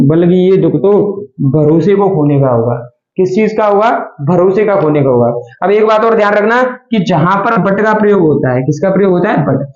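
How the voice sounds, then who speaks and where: High-voiced teacher in echoey room. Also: male voice, darkish tone, highs cut off. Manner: repeats and answers his own questions, addresses students as children. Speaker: English teacher. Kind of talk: classroom grammar lesson.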